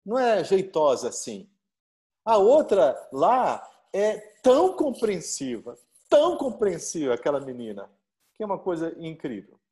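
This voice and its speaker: A man with a Brazilian Portuguese accent, a marriage therapist giving a live-stream talk, animated and full of rhetorical questions. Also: sits high, measured pace. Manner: animated, acts out little dialogues and asks rhetorical questions.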